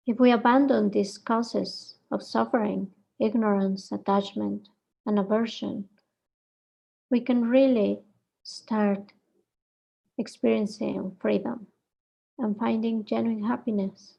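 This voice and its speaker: A woman guides a meditation in a soft, dark-toned and relaxed voice. She speaks very slowly, leaving pauses between short phrases. A marked creak runs through her gentle delivery. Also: a little high, low-quality recording.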